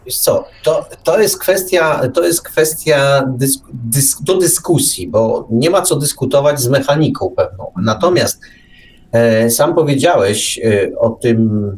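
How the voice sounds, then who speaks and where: A man's voice: mid-range voice, lively intonation, unhurried, a little mellow. A man hosting an unscripted radio discussion, digressing and often restarting his phrases. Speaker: radio show host and book enthusiast. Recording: distant mic with faint background noise.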